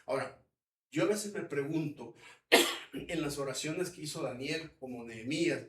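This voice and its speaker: A man's voice: a little high, moderate pace, a bit bright. A man with a Salvadoran accent preaching a conversational sermon as pastor, speaking colloquially and asking the audience questions. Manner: colloquial, asks the audience questions, acts out quotes. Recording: echoey hall, mic at a distance.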